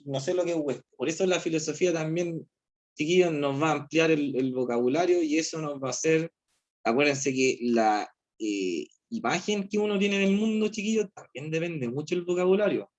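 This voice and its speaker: A man's voice: on the high side, normal speed, muffled recording. A man with a Chilean accent teaching philosophy over a video call. He explains the text step by step and keeps checking in with his class using rhetorical questions. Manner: explanatory, asks rhetorical questions, often says "¿cierto?". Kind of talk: online class lecture.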